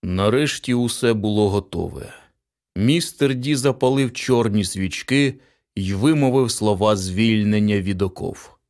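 A man narrating a short story in an even, steady reading voice. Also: fairly low pitch. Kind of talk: audiobook reading.

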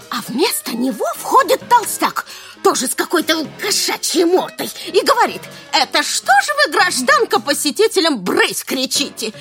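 An actress playing a frantic, tearful young secretary with a musical, slightly nasal voice in a radio drama. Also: female voice, sits high, fairly bright tone. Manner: frantic, wailing, breathless retelling.

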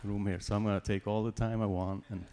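A man's voice: on the low side, little pitch movement, fast talker, dark tone. A man from Switzerland with a Swiss German accent, a native Swiss German speaker, giving a personal testimony in church with informal joking asides.

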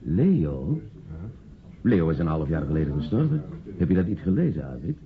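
Gushing low-voiced showbiz gossip. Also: male voice, very animated, normal speed. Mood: gossipy. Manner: effusive, repeats himself for emphasis. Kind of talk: Dutch radio play dialogue. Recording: muffled phone-like old radio recording, party chatter.

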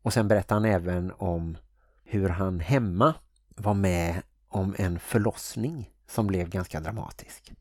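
A man from Sweden hosting a podcast, giving calm and measured introductions. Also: sits low, dry recording, studio quality. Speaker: podcast host.

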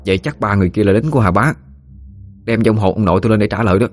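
A man's voice: lowish voice, rapid-fire, soft background music, close to an everyday voice. A man voicing a blunt, easily irritated village boy in an audio ghost story. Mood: urgent. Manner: grumpy, shouting.

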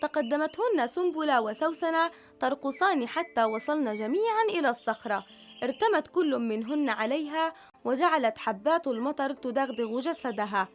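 A woman narrating a children's story in a warm, expressive storytelling voice. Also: high-pitched, normal speed.

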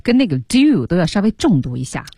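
A co-host on a radio English lesson, translating lines and commenting in a lively way. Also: mid-range voice, quick pace, husky, dry recording, studio quality. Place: radio studio.

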